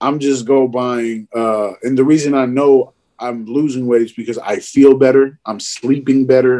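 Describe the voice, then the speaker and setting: A man talks at a fairly slow pace in an American accent. His is a plain, everyday voice, with dry, close sound and no echo. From US West Coast, Richmond, California. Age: 30s. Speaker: comedian and podcaster, airport baggage handler. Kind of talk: casual interview chat.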